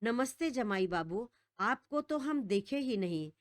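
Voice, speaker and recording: A woman's voice: fairly high pitch, expressive, measured pace, dry recording, studio quality. A woman voicing a flustered, gossipy older village aunt who talks in a rustic, fawning way. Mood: nervous, fawning. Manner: rustic dialect speech, nervous fawning.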